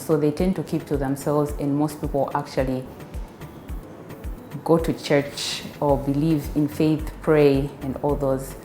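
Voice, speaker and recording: In a filmed testimonial interview, a Zambian biomedical scientist speaks hesitantly, with many fillers and restarts. Her voice is deep and warm, and the room is echoey with faint music.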